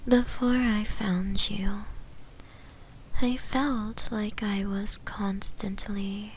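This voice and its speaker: Possessive, flirty female shadow demon played by a woman, whispered ASMR roleplay, extremely slow with lingering pauses, audible background noise. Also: medium pitch, little pitch movement, low-quality recording. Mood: yearning, melancholy. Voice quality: breathy whisper. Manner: slow, intimate, lingering delivery with long pauses.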